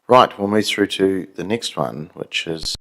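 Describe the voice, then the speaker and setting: Deep kiwi bloke running a council meeting, brisk, bit of dry humour. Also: male voice, fairly bright tone. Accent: New Zealand. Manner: brisk procedural, with dry asides. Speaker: mayor chairing a council meeting. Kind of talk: chairing a formal meeting. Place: council chamber.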